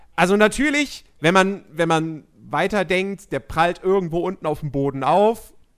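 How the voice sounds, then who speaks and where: Lively intonation from a man with a high pitch at a fairly slow pace. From Berlin. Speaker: podcast co-host. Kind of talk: casual chat.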